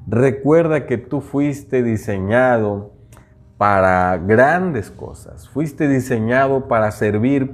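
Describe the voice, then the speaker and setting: A man's voice: medium pitch, darkish tone. A man from southern Veracruz with a Mexican accent, whose first language is Nahuatl, hosting a motivational spiritual podcast and speaking earnestly to the listener. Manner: earnest, speaks straight to the listener with repeated declarations. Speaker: podcast host, teacher. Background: faint background music.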